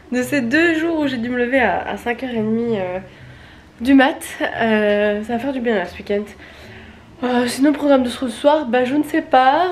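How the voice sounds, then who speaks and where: A woman's voice: fairly high pitch, a little hiss or hum. A young woman chatting casually in a home vlog, rambling with many fillers and restarts. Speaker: vlogger.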